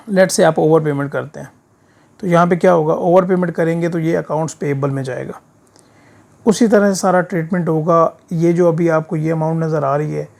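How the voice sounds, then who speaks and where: A man with a sore throat giving an informal step-by-step software tutorial, often checking that the learner follows with short tag questions. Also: fairly high pitch, gravelly. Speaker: instructor of an accounting software course. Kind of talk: screen-share tutorial, informal explaining. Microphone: voice-over of a screen recording.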